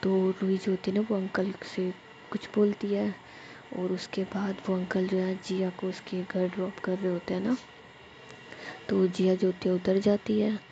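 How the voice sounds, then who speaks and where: Soft-voiced gravelly woman storyteller. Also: medium pitch, flat delivery, moderate pace, dull audio, a little hiss or hum. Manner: soft, half-whispered narration with filler tags. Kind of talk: casual spoken story narration.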